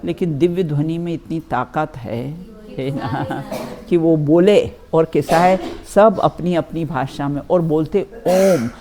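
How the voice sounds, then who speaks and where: Slow-paced woman teaching scripture. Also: low-pitched, background noise. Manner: slow, repeatedly checks with "है ना" and "बिल्कुल"; addresses listeners as children, gives everyday examples. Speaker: religious teacher. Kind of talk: reading and explaining a scripture text.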